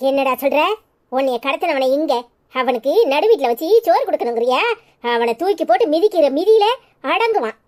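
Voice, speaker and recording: A woman's voice: sits high, lively intonation, a little fast, a little mellow. A woman voicing a fierce, tearful village mother in a cartoon, with a Tirunelveli Tamil accent. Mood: worried. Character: emotional, fiery village mother. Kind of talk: cartoon voice acting.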